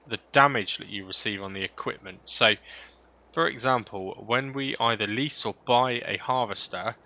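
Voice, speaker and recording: Over a noisy background that sounds like a running vehicle engine, a British man hosting a gaming video chats through his gameplay, musing aloud and frequently tacking questions onto his remarks. His voice is medium-pitched, bright, and forceful.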